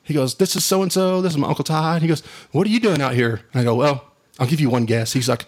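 A middle-aged man with a booming, husky voice, chatting casually. He tells animated stories, laughs often and keeps saying "dude". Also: fast. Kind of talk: casual storytelling chat.

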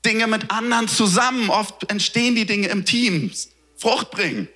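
A man preaching a sermon in a lively, conversational way, asking his listeners questions. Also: high-pitched, normal speed. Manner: lively, conversational, asks the audience. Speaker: pastor. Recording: reverberant hall.

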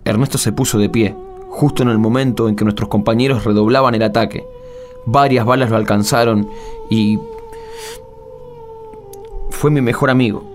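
An actor playing an anxious, resigned Argentine soldier and loyal friend in a radio drama. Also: male voice, medium pitch, steady tone, normal speed, long pauses, over music, lightly acted. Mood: somber narrating. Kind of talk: radio drama acting with first-person narration.

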